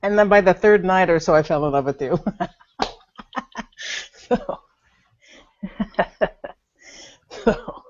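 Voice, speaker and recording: Female student, low voice, animated and laughing, muffled video-call audio. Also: takes it slowly, long pauses. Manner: laughs often, sighs, animated storytelling. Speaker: student at a spiritual gathering. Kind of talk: candid personal sharing. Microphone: remote video call.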